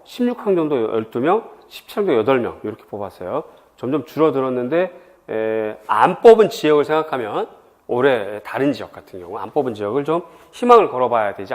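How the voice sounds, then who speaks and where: Briskly and in a mid-range voice, a middle-aged Seoul native talks through an admissions info session on exam prep. He's lively and conversational, constantly drawing on stories from his own life.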